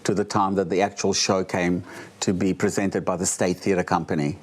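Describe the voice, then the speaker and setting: An older man with a fairly low, soft voice, born in Egypt and raised speaking Italian. He talks in an easygoing interview style. He often hesitates, restarts and fills the gaps with "uh" and "um". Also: flat delivery, normal speed. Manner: hesitant, with many fillers and restarts. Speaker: guest, drag performer. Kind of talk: relaxed interview chat.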